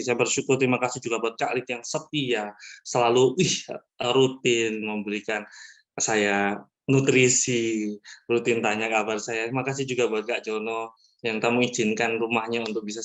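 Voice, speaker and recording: Animated man telling a church testimony. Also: mid-range voice. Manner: animated storytelling, often addressing listeners as brothers and sisters. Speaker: church member giving a testimony. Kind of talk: personal testimony at an online church service. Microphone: video call.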